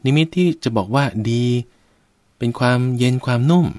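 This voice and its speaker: A man's voice: medium pitch, moderate pace, a little mellow, no echo. A man giving a Buddhist sermon, addressing his listeners directly and explaining with everyday examples. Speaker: Buddhist preacher.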